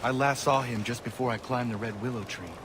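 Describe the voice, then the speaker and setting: An actor playing a stoic, resolute young Native American warrior in a video game, grave and formal in speech. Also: male voice, mid-range voice, steady tone, brisk, background noise, natural voice. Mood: grave, loyal. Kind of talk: video game dramatic acting.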